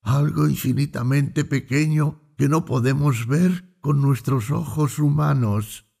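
A man voicing a grieving young mother who pleads in high, anguished outcries in a read storybook. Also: slow, vocal fry, a little mellow, husky, heavily acted.

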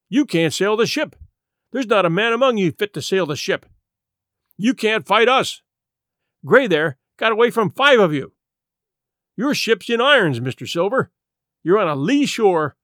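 A man's voice: high-pitched, fairly bright tone, no echo, studio quality. A man voicing a stern, defiant and honourable sea captain with commanding, emphatic delivery, for an audiobook. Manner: commanding, emphatic, clipped declarations.

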